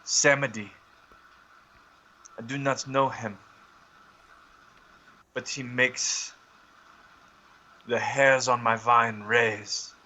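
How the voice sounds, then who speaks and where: A man's voice: mid-range voice, fairly even intonation, very slow, pauses often, bright, forceful tone, full character voice, rough recording. A man voicing a solemn vine creature from a swamp in a tabletop roleplay, speaking formally and portentously. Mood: solemn, uneasy.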